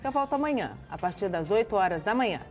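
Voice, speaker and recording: A Brazilian woman hosting a morning news show, asking questions in a lively, chatty way. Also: medium pitch, fast, soft background music. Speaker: TV news presenter and interviewer.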